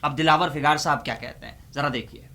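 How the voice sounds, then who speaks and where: Pakistani guy doing dramatic funny poetry recital, highish sharp voice, draws out his lines. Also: fairly even intonation. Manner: theatrical, drawn-out delivery with repeated lines. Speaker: host reciting humorous Urdu poetry.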